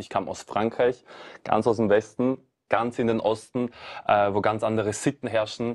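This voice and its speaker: Here a man uses an ordinary speaking voice with a fairly low pitch. He keeps a moderate pace and fairly even intonation against a quiet background. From Austria. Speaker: former footballer and reality TV personality. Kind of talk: casual chat. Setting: studio. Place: studio. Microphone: lapel.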